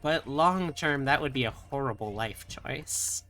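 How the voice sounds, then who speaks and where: A woman live streamer chatting casually with her viewers, rambling and thinking aloud in a halting way. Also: rumbling low, animated, a bit bright. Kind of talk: casual chat with livestream viewers.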